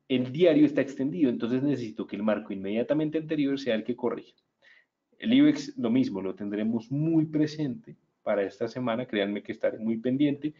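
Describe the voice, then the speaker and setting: A man's voice: mid-range voice, lo-fi sound. A man presenting a live market analysis webinar, chatty and upbeat, talking straight to his viewers.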